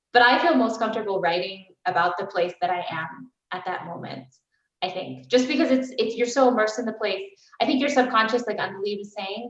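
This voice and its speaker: A woman who grew up in the United States, speaking as an author on a festival panel, musing aloud in a thoughtful, fluent way. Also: medium pitch. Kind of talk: reflective panel talk. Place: festival venue. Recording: distant mic, roomy, dull sound.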